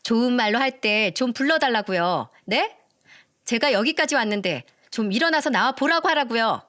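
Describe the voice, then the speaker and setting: A woman voicing a rude, greedy young woman who shouts and swears, in a story reading. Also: on the high side, expressive, moderate pace. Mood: pushy.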